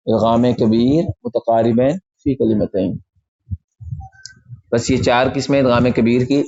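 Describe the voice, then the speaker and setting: A man teaching a lecture on Quran recitation rules, explaining step by step and repeating key terms slowly for emphasis. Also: medium pitch, warm tone, lo-fi sound.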